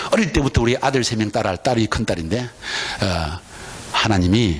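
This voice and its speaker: Noticeable background noise sits behind a man with a Gyeongsang accent. His fairly low voice has very wide pitch swings. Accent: Gyeongsang dialect Korean. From Gyeongsang Province, South Korea. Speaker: missionary. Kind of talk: sermon. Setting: church.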